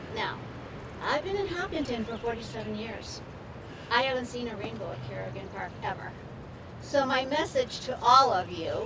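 Noticeable background noise runs under this recording. A woman speaks at a fairly slow pace. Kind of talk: ceremony speech. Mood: heartfelt, storytelling. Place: stadium.

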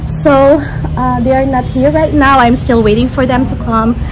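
A woman talking at a moderate pace is heard with noticeable background noise around her. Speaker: vlogger. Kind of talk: casual vlog chat. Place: street. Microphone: phone near.

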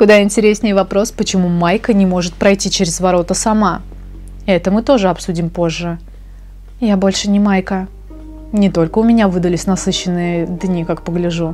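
A woman with fairly even intonation over faint music in the background. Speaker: streamer. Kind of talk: reading a game's story aloud with asides. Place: home room.

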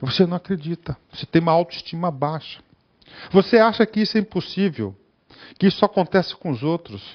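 A man's high voice at a fairly quick pace, with ordinary pitch variation and a quiet background. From Brazil. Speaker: online course teacher. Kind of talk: lecture. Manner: animated. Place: studio. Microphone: headset.

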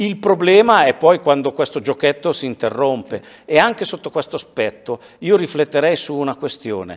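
Pitched fairly high for a man, this speaker uses vocal fry and very wide pitch swings at a moderate pace, with a quiet background. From northern Italy, Ossola (Piedmont); northern Italy. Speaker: politician, senator. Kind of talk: TV interview. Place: studio. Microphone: lapel.

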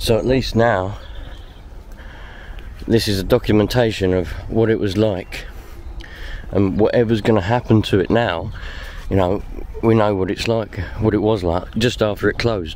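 With long, frequent pauses, a man speaks at a moderate pace in a fairly low pitch, the sound dry with no echo and light background noise behind him. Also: fairly even intonation. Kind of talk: casual vlog chat. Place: open country. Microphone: phone near.

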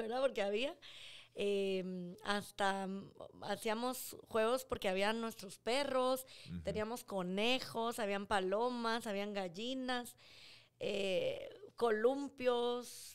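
Against a quiet background, a woman with a fairly high pitch and fairly even intonation talks at a very slow pace. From Guatemala. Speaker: infectious disease physician; podcast guest. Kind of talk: interview. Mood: warm, smiling, nostalgic. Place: studio. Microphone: studio mic.

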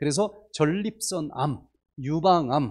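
Against a quiet background, a man talks at a very slow pace. His intonation is lively. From South Korea. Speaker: health lecturer and preacher; health lecturer, preacher. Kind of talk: sermon-style health lecture. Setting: evening lecture. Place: studio. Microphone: handheld.

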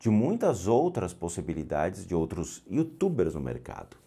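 A man's dark, mellow voice shows vocal fry and very wide pitch swings at a moderate pace. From Brazil. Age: 40s. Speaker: paranormal YouTuber and alternative therapist. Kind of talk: casual vlog chat. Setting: home recording, seated in chair. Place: home room. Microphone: lapel.

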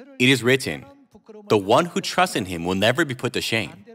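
Speaking at a moderate pace, a man with a medium pitch and a bright, sharp tone uses vocal fry and very wide pitch swings. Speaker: pastor. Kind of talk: sermon. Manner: formal.

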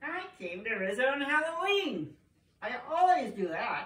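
A woman puts on a cartoonish character voice at a high pitch. Her pitch swings very widely, and there is a slight echo. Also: moderate pace. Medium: puppet. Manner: eager, cheerful.

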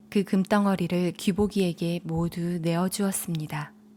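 Calm and soothing, a woman speaks fairly slowly at a medium pitch with fairly even intonation and a dark, mellow tone. The recording is very clean, with a silent background. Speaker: audiobook narrator. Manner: calm, soothing, unhurried storytelling pace.

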